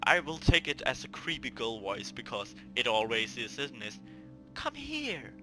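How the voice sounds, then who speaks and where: A man's voice: medium pitch, moderate pace, over music. A man hosting a gaming video, reading a visual novel aloud theatrically, stumbling over words and talking to himself between lines.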